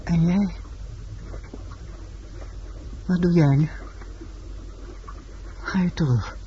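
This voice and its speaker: An actress in a Dutch radio play playing a troubled, searching lover, questioning and hesitant. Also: female voice, fairly low pitch, slow, mellow. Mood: anxious, hesitant. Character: troubled, searching woman lover confronting her man. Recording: dull, noisy old radio drama recording.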